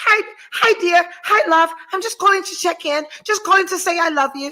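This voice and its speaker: At a moderate pace, a woman performs a put-on character voice at an extremely high pitch. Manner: warm, affectionate.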